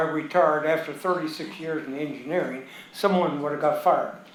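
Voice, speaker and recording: Amid noticeable background noise and audible room echo, a man with a fairly high pitch speaks at a moderate pace. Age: 90s. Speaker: retired engineer, public commenter. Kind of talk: public comment at meeting. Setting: council chambers.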